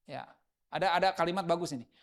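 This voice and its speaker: A man preaching a sermon as pastor, often asking the congregation rhetorical questions and moving between loud emphasis and quiet asides. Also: fairly high pitch, quick pace.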